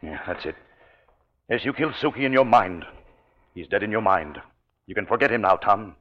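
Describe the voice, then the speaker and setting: An actor playing a calm, authoritative hospital doctor in a 1940s radio drama, soothing and firm. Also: male voice, lowish voice, moderate pace. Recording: dull old radio broadcast.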